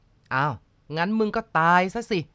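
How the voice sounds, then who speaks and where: A woman voicing a brutal, violent middle-aged man who snarls threats in a slow, heavy way. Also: medium pitch, animated, dry recording, natural voice. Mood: menacing.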